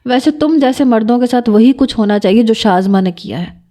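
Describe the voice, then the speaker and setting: A woman's voice: on the high side, mellow, close to an everyday voice. A woman voicing a pushy married man who coaxes his friend with bossy advice. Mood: coaxing.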